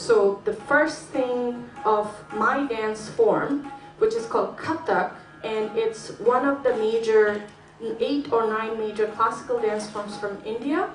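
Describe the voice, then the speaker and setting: Over noticeable background noise and audible room echo, a woman with a fairly high pitch and ordinary pitch variation speaks at a very slow pace. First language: Bengali. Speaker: classical dancer. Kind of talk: stage introduction. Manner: halting, many fillers.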